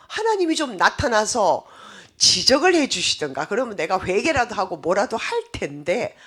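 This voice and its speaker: Woman, pastor, sermon, husky, lively melody, rhetorical questions to the congregation. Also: medium pitch. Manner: animated, explanatory preaching with rhetorical questions to the congregation.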